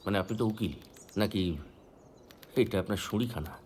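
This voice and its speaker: An actor playing a calm investigator who questions suspects with pointed remarks. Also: male voice, on the low side, moderate pace, lightly acted. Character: calm, probing investigator's friend. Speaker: detective's companion questioning suspects in a film. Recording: film scene with faint ambient noise.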